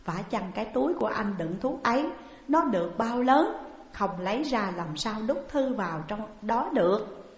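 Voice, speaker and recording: A woman's voice: fairly high pitch, animated, moderate pace. Storybook role: woman voicing a plaintive young sworn brother, tearful and pleading, in an echoey, muffled room. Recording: dull echoey hall recording.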